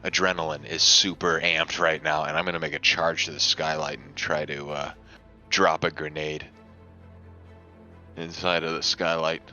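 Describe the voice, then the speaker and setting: A man playing a tabletop game, chatting casually and a little haltingly about his move, on a dull lo-fi recording. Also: extremely low pitch, flat delivery, pushed and bright, soft background music.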